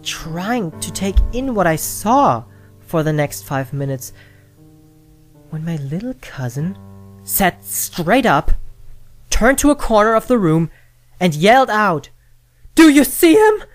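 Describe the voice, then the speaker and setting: A woman narrating a first-person scary story in a dramatic, deliberate manner with suspenseful pauses. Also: on the low side, expressive. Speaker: horror story reader. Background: background music.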